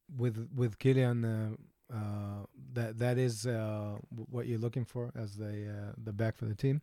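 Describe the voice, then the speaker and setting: A man with an Israeli accent, dark and mellow in tone, at a fairly slow pace in a monotone, flat delivery. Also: medium pitch for a man. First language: Hebrew. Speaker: podcast co-host. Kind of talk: interview. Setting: studio.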